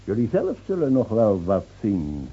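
An actor in a Dutch radio play playing a mocking, defiant old village drunk who foretells doom with theatrical scorn. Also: male voice, on the low side, wildly swooping pitch, a little slow, dark tone, breathy edge, dull audio, exaggerated voice. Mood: defiant, scornful. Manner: taunting, theatrical, scornfully laughing.

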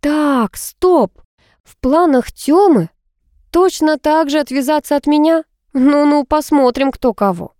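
A woman's voice: high voice, slow pace, no room sound, studio quality, voice pushed up. A woman voicing an irritable, stubborn young female student who talks back sharply. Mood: exasperated. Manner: snappish, sharp-tongued.

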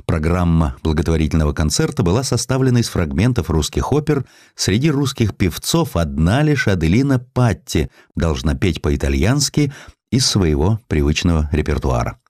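A man narrating a scripted literary story as an audiobook reader, in an expressive storytelling style. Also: deep voice, normal speed, no echo, clean studio sound.

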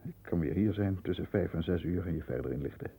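Deep, husky, stern barrister with gravelly edge. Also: male voice, fast, dark tone, heavily acted. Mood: urgent, commanding. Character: stern, controlled barrister shielding his wayward brother, narrating events. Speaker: actor playing narrator and lead. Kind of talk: 1960s Dutch radio thriller acting, first-person narration.

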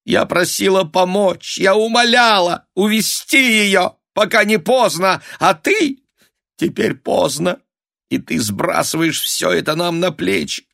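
A shrill, melodramatic old countess, put on by a man reading. She wails and gasps her words in high-strung bursts, every sentence a small catastrophe, in a dry, close sound. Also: a little slow, gravelly, fairly bright tone, no room sound, full character voice. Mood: shrill hysterical. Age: older. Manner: wailing, breathless, melodramatic exclamations. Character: hysterical aging countess mother, shrill and dramatic.

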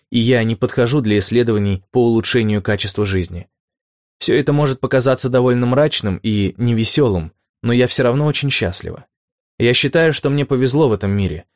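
A man reading the first-person words of an upbeat, resilient woman in her early thirties, with a calm, matter-of-fact delivery. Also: mid-range voice, fairly quick, dry recording, clean studio sound, natural voice. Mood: calmly upbeat.

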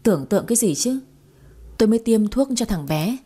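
A brisk hospital nurse played by a woman narrator in an audio story, scolding and quick with advice. The voice sits a little high, mellow and breathy. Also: animated.

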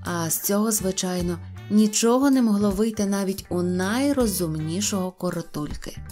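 A woman narrating a children's fairy tale in a gentle, even storytelling manner. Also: mid-range voice. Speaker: audiobook narrator.

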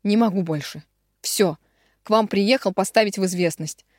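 A woman's voice: medium pitch, moderate pace, darkish tone, no echo, clean studio sound, lightly acted. A woman reading an audiobook, voicing a weary man who confesses in a heavy, subdued way. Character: man in his thirties, weary, confessing, resolute.

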